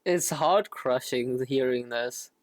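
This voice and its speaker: Slow, laid-back woman livestreamer, dry sound. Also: extremely low pitch, no echo. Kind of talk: casual stream reaction commentary.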